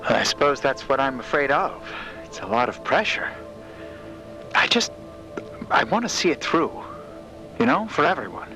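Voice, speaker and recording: A man's voice: mid-range voice, sing-song, normal speed, long pauses, bright, forceful tone, soft background music, rough recording. A man playing a nervous, eager, apologetic journalist in an audio drama, stammering and effusively polite. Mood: earnest, anxious. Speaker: actor in a fiction podcast. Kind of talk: naturalistic audio drama acting.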